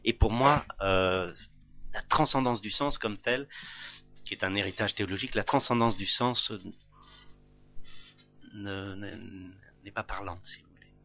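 A man's voice: on the low side, unhurried, pauses often, a bit bright, lo-fi sound, soft background music. A male lecturer answering audience questions in a thoughtful, explanatory way. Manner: thoughtful, explanatory, with filler hein. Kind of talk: academic explanation.

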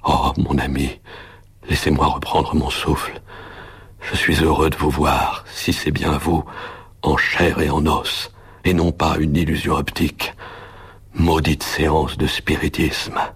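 A frightened young doctor, shaken and short of breath, voiced by a man reading a story aloud. He speaks in a hollow, muffled way, with a very deep, gravelly voice. A thick husky breathiness runs through every word. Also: level tone, unhurried, fairly bright tone, heavily acted. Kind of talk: audiobook character reading.

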